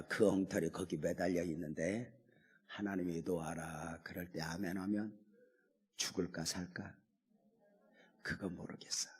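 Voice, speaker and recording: A male pastor preaching a sermon in a church, telling a story and at times dropping to a soft near-whisper. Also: low-pitched, slightly rough. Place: church sanctuary. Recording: long hall reverb.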